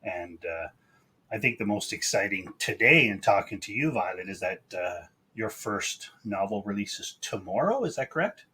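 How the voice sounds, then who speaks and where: A man's voice: lowish voice, big pitch swings, normal speed, bright, forceful tone, husky. A man hosting a podcast in casual, upbeat chat with his co-host and guest.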